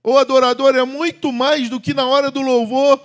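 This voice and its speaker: A middle-aged man preaching a sermon as pastor in a church, swinging between loud emphatic calls and low confiding talk to the congregation. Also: level tone, moderate pace. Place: church sanctuary.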